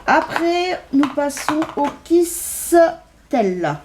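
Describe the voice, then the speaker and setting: A woman's voice: sits high, very animated, very slow, background noise. A middle-aged woman chatting casually in a shopping haul video, hesitant with lots of fillers. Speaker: haul vlogger. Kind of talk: casual chat.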